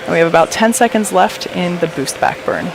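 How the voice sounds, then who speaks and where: A woman's voice: on the low side, expressive, brisk, vocal fry. A woman giving explanatory live commentary as host of a rocket launch webcast. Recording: crowd and loud noise behind.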